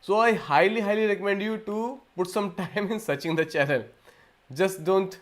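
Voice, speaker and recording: Speaking at a moderate pace in a voice that sits high, this Indian livestream host chats loosely through a casual live Q&A, rambling with repeated words and frequent restarts.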